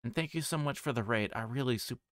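A man livestreaming a visual novel, reading it aloud in a casual, halting way that stumbles over words. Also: mid-range voice, fairly bright tone, no echo, clean studio sound. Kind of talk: casual narrated read-aloud.

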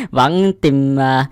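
In a smooth, mid-range voice captured as a dry recording, a young man reacts casually on YouTube with plenty of exclamations, frequently amused by what he watches. Background music accompanies him.

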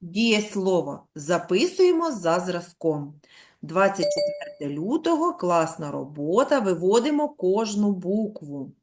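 A woman primary school teacher giving an online lesson to young children. She dictates slowly, stretches out words and sounds out letters one by one, and keeps prompting the pupils with questions. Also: on the low side, sing-song, a little mellow. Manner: drawn-out, slow dictation, sounding out letters and syllables.

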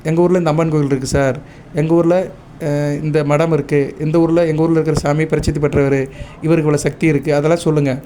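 A man with a Tamil accent giving devotional advice to viewers, measured and instructive, stopping often to check that listeners follow. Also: a little high, slight background noise. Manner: chants mantras and praise lists in a steady recitation. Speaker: astrologer.

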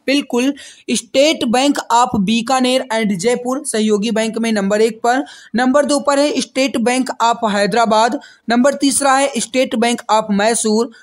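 A man teaching a quiz-based exam-prep lesson, speaking directly to students in a repetitive, emphatic coaching manner. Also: very high-pitched.

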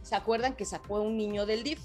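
A woman with a Mexican accent co-hosts a casual talk show, gossiping about politics in slang and calling her listeners brothers. Her medium-pitched voice is fast and darkish with fairly even intonation, and faint music plays behind her.

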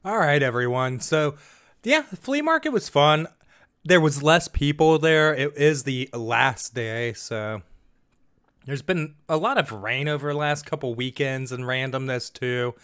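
A man's voice: mid-range voice, expressive, unhurried, fairly bright tone, clear, resonant tone, faint music behind. A man in his thirties chatting casually to camera about his finds, rambling with fillers, recorded on a studio mic in a small room. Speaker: reseller vlogger. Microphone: studio mic in front.

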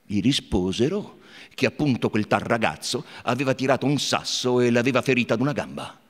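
A man's voice: mid-range voice, lively intonation. Dramatic male stage reader, echoing hall. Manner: dramatic, slow and hushed for grim passages. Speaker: actor giving a reading. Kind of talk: theatrical literary reading. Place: theatre stage before an audience. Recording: long hall reverb.

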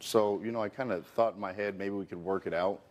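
A man's voice: on the low side, fairly even intonation, fast talker. A man in his thirties, the plaintiff on a courtroom show, telling his story in an earnest, aggrieved way with lots of "you know.". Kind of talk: courtroom testimony. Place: TV courtroom set.

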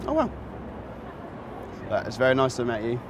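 Halting man in noisy surroundings. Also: mid-range voice, wildly swooping pitch. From England. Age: 30s. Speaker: coaching client. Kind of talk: casual conversation. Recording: clear background noise of busy places.

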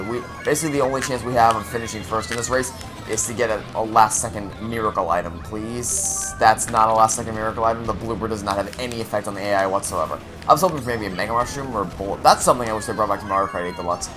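A young man, slightly raspy after just waking up, giving casual, rambling commentary over his racing game and often restarting his sentences. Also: fairly low pitch. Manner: rambling, with frequent restarts and self-corrections. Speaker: let's play host. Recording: game music playing underneath.

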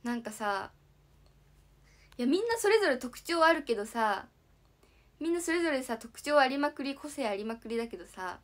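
Young female idol host, lively chatty streamer, slightly high voice, keeps thanking her viewers. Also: normal speed, pauses often. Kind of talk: casual livestream chat.

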